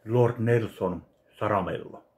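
A man in his thirties from Finland, casually narrating an unboxing of a fan package in his home kitchen, speaking slowly and haltingly to a webcam. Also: lowish voice, a little mellow. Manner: slow, halting, listing items one by one. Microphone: webcam at desk distance.

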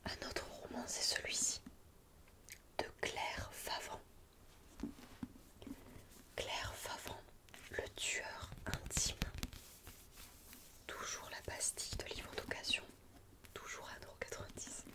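A young adult woman with a French accent, speaking in a hushed, breathy ASMR library whisper close to the microphone. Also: takes it slowly, long pauses. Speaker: ASMR video host. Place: quiet indoor room. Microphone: close studio mic with furry windscreen.

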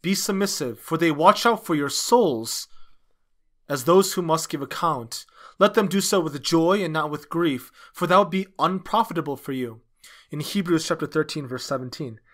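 Male sermon interpreter, slightly high-pitched, halting phrase-by-phrase preaching delivery. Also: lively intonation, a bit bright. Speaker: interpreter dubbing a pastor's sermon.

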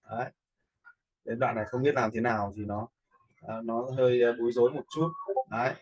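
A man giving a casual screen-share software lesson, often checking in with his learners through short questions. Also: medium pitch, steady tone, a little fast, slightly rough, poor audio. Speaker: instructor in animation software tutorial.

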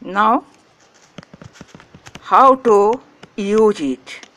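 A woman whose first language is Hindi walks through a gardening recipe one short phrase at a time. She speaks at a very slow, deliberate pace with a mid-range voice and plain, clipped wording. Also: mid-range voice, fairly bright tone. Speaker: gardening channel host. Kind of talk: step-by-step how-to narration.

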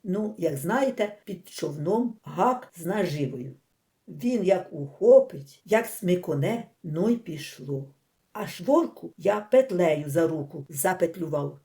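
A woman voicing a frightened, talkative old man fisherman in an audiobook, shouting in a raised, strained voice. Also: fairly low pitch, animated, takes it slowly. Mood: rambling. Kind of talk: audiobook character voice.

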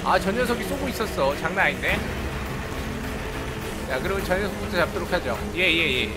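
Over loud music, a high-voiced game streamer talks briskly through a horror game Let's Play. He greets viewers, chats with them, and yelps and shouts excitedly at sudden attacks.

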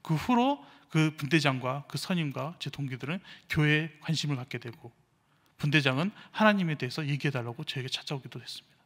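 A young man, an evangelist, giving a sermon with a personal testimony, telling his story with animated delivery and acting out the speech of others, recorded in a church sanctuary. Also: a little high. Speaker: evangelist preaching. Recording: reverberant church hall.

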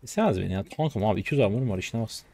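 A man in his twenties narrates his gameplay in a casual, excitable stream. His pitch swings widely as he jumps into high-pitched outbursts of trash talk. The voice sits close and dry on the mic. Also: very fast, slightly rough, dry recording. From Turkey. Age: 20s. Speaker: game streamer. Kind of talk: live gameplay commentary.

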